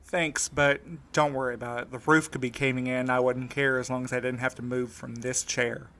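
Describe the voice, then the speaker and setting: A man's voice: medium pitch, little pitch movement, brisk, a bit bright, natural voice. A man playing an exhausted, wry mail carrier in a naturalistic audio drama, talking in a weary, dry way. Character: battered, exhausted young male mail carrier, wry and evasive.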